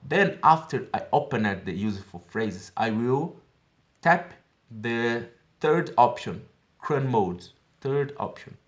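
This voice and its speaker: Brazilian man in his thirties, chatty. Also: mid-range voice. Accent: Brazilian Portuguese. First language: Portuguese. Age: 30s. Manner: earnest, chatty, keeps checking in with "okay?". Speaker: language-learning vlogger. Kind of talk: casual app walkthrough.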